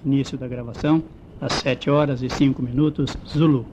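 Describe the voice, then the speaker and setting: A man with a Brazilian accent reading a measured, official announcement, heard as an old archival tape recording like a dictaphone. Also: mid-range voice, fairly even intonation. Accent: Brazilian Portuguese. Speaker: announcer of an air traffic control tape. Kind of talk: formal read announcement. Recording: dull lo-fi tape with faint hiss.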